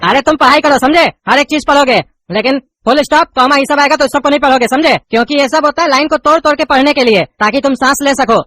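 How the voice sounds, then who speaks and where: Brief: performer doing an exasperated, bright-voiced male schoolteacher, flavour, rapid-fire. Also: high-pitched, no room sound, faint music behind. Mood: scolding. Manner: scolding, exasperated. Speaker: teacher.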